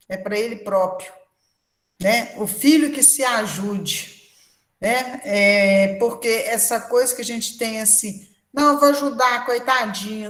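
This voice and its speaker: An older woman, her fairly high voice carrying through a reverberant room. She talks in a casual, conversational way, peppering her speech with "né?" as she tells anecdotes. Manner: conversational, frequent "né?" tags, lively anecdotes. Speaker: guest speaker. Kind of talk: conversation circle talk. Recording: echoey room.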